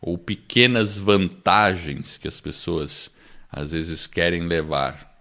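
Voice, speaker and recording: A man with a São Paulo accent talks through a book with his podcast co-host in relaxed, casual chat. His low voice has a gravelly edge. He laughs often and keeps tossing in a questioning "né?". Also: takes it slowly. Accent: São Paulo Portuguese. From born in the United States, raised in Brazil. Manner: chatty, laughs often, tags lines with "né?".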